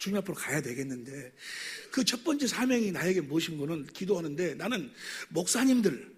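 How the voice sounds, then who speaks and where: A man speaks at a fairly quick pace with a high pitch and very wide pitch swings. Room echo is audible. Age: 60s. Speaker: pastor. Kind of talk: sermon.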